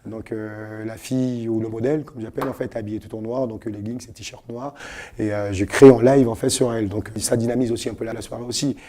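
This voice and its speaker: A man's voice: on the low side, fairly even intonation, a little fast, warm tone. A man from Cameroon, a guest artist on a web TV set, talking in a casual interview with many fillers and restarts. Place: web TV studio.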